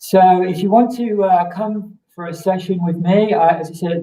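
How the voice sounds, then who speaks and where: With a British accent, a man speaks in a high pitch and a dark, mellow tone. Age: 60s. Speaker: running coach. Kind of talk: live online workshop talk. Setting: live online event. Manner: halting, repetitive.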